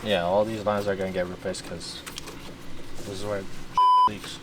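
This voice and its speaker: A man's voice: sits low, level tone, normal speed. A man working as a mechanic, talking in a matter-of-fact way while he inspects an engine in a garage. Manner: matter-of-fact, short answers. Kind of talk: casual shop talk. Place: auto repair garage. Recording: loud garage noise.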